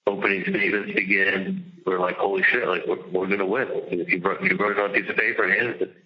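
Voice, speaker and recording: Deep voiced guy venting on a dull lo-fi jail call, worked up, swears a lot, repeats himself. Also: fast talker, creaky. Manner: agitated, emphatic, repeats himself. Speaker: jailed caller on a recorded phone call. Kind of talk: casual, profane phone venting. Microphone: telephone.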